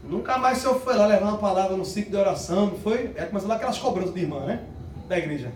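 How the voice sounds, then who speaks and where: A man preaching a sermon, telling a story with animated bursts of shouting and singing. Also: high-pitched, rapid-fire, a little hiss or hum. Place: church. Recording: echoey church hall miked from a distance.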